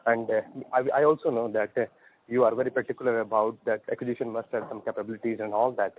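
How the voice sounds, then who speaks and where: A tinny phone line carries an Indian-accented man asking a polite business question. His voice is medium in pitch and very flat in intonation. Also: fast, husky, no echo.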